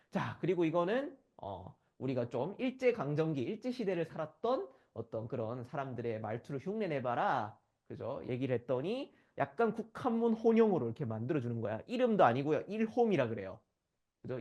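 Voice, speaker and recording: A man's voice: on the high side, darkish tone, highs cut off. A man from the Gyeongsang region giving a conference lecture, often asking the audience for agreement as he goes. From Gyeongsang region, South Korea. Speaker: conference speaker.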